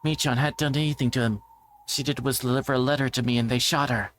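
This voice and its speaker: A man's voice: medium pitch, steady tone, quick pace, fairly bright tone, slight background noise, voice pushed up, close to an everyday voice. A man voicing a fierce, grieving girl in a visual novel, speaking with urgent insistence. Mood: anguished, urgent. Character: fierce, grief-stricken girl urging others to survive. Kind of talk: visual novel character read aloud. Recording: music behind the voice.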